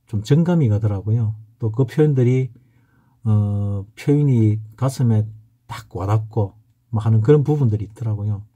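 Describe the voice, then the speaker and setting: A man from Gyeongsang, South Korea, who teaches saju fortune-telling, delivers a casual lecture in a low, husky, dark voice with a Gyeongsang Korean accent. He rambles from anecdote to anecdote with many hesitations, and the recording sounds muffled.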